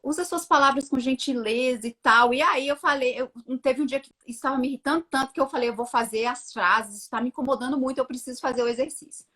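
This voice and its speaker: A woman in her thirties, a mother telling her story on a casual live chat, acting out her own words with lively energy. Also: sits high, fast, few pauses, slightly rough. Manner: animated storytelling, acts out her own quotes. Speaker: guest, mother of two.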